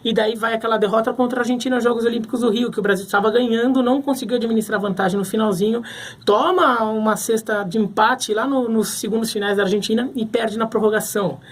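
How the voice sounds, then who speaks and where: A man's voice: sits high, steady tone, fast talker. A man from Brazil giving casual sports commentary to camera, thinking aloud with frequent restarts.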